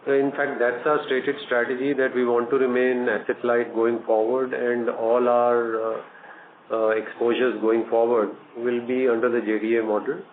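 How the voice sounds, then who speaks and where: A man with an Indian accent speaks as a company executive on an earnings call. His delivery is measured and halting, businesslike in manner. The sound is a narrow, echoey phone line with clear noise. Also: medium pitch, little pitch movement. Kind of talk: answering questions on an earnings call. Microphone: conference phone call. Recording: echoey tinny conference phone line, noisy.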